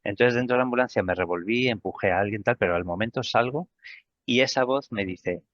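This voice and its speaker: A man's voice: medium pitch, brisk, no room sound, muffled recording. A middle-aged man with a Spain Spanish accent, retelling a personal experience as an interview guest and acting out the remembered dialogue.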